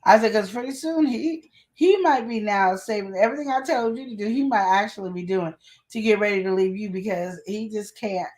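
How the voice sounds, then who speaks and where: A woman co-hosts a live relationship advice show, chatting casually with emphatic, animated storytelling and quoted asides. Her mid-range voice is brisk, and the recording quality is low.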